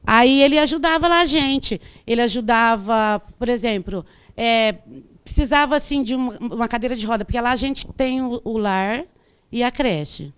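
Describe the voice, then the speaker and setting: A woman speaks as a witness at a formal hearing, hoarse from a cold. Her voice still carries smooth and resonant underneath the roughness. She talks plainly and haltingly, circling back to repeat her points. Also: on the high side. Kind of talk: formal testimony.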